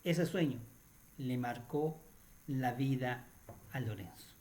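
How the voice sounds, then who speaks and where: A man's voice: medium pitch, slow, a little mellow, a little hiss or hum. A man hosting a Catholic radio program, retelling a story in a chatty teaching style, often tacking "right?" onto his sentences and restarting phrases. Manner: adds tag questions like "right?", with restarts.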